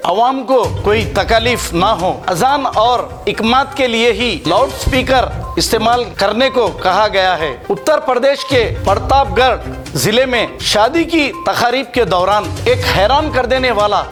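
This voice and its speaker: A man's voice: very high voice, expressive, measured pace, fairly bright tone. A male news presenter reads the bulletin. He slips in his own remarks, and music plays underneath. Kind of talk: news bulletin reading with personal asides.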